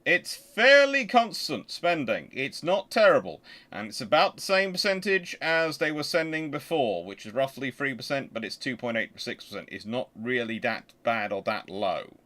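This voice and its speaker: A man hosting a history channel, explaining informally and thinking aloud in a halting, conversational way. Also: medium pitch, sing-song, pushed and bright. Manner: conversational, halting, muttering to himself while working.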